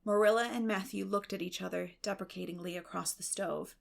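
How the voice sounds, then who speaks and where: A woman narrating a storybook as an audiobook reader, in an expressive, measured, scripted delivery. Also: mid-range voice, gravelly.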